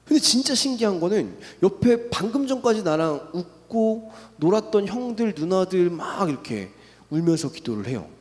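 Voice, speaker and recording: A man's voice: high voice, very animated, moderate pace, a little mellow. A young man giving an emotional church testimony, telling his story with a voice that rises in intensity. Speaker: testimony speaker. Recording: long reverb in a hall.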